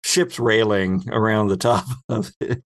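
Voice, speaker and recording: Gravel-edged man as game master. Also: lowish voice, steady tone, measured pace, dry recording. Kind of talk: narrating a tabletop roleplaying game.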